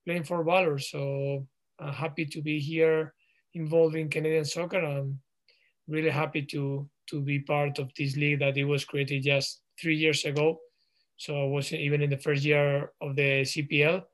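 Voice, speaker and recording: A man in his thirties speaks English with a Spanish accent, in a fairly high voice. He answers interview questions slowly, pausing often and restarting his sentences. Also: little pitch movement. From Spain. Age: 30s. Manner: halting, frequent ums and restarts. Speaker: guest, professional footballer.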